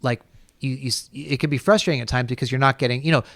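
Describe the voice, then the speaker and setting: A man's voice: medium pitch, steady tone, quick pace, creaky, fairly bright tone, no echo. A man hosting a podcast, talking casually and thinking aloud with many restarts and fillers. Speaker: podcast host. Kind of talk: casual conversation.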